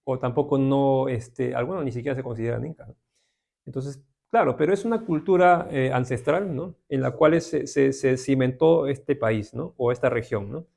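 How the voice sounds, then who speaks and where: A man's voice: medium pitch, moderate pace, creaky, dark tone. A man with a Peruvian accent teaching an informal Bible class, talking conversationally with many tag questions to his listeners. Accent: Peruvian Spanish. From Peru.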